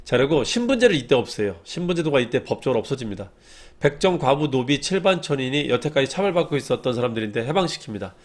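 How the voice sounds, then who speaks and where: Man, middle-aged, history exam lecture, brisk, repeats key terms, quick pace. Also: medium pitch, big pitch swings.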